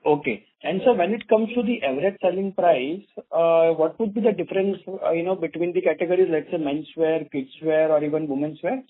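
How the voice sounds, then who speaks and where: A man's voice: on the high side, fairly quick, hardly any pauses. A man with an Indian accent politely asking wordy, deferential questions as an analyst on an earnings call. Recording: narrow, phone-like call audio.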